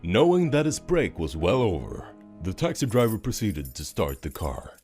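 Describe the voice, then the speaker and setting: A man narrating a scripted audio drama story in a dramatic, expressive storytelling manner. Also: lowish voice, moderate pace. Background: music.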